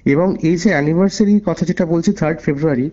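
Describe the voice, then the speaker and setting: A man's voice: on the high side, fast, mellow. A man with a West Bengal Bengali accent telling a personal story conversationally as a caller, earnestly repeating phrases for emphasis. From West Bengal, India. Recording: dull lo-fi call recording over music. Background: music.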